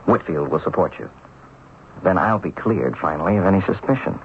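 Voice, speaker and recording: A man's voice: deep voice, expressive, brisk, narrow, tinny audio. An actor playing an earnest, determined wronged man in a radio drama. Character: earnest, determined wronged man seeking to clear his name. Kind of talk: old-time radio drama acting. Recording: band-limited, faintly noisy radio recording.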